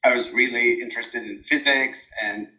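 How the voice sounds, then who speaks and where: A man whose first language is Arabic, from Jordan, speaking in a relaxed interview with many fillers and restarts. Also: medium pitch, moderate pace, lo-fi sound. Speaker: interview guest, dissertation coach.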